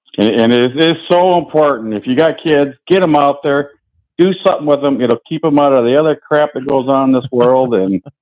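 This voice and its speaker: In a plain, everyday voice, the speaker talks at a fairly quick pace with ordinary pitch variation. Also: man, fairly high pitch for a man. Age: 60s. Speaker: caller, hunter and father. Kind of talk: call-in radio chat.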